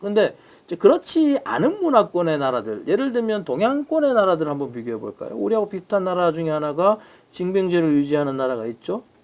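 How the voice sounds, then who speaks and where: A high-pitched man at a fairly quick pace, with very wide pitch swings. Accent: slight North Korean. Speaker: reporter and reserve forces expert. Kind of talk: casual interview discussion.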